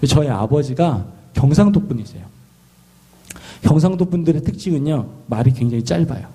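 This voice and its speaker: A pastor from Seoul preaching a sermon in a lively storytelling way, often asking the congregation questions. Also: male voice, fairly high pitch, normal speed, husky. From Seoul, South Korea.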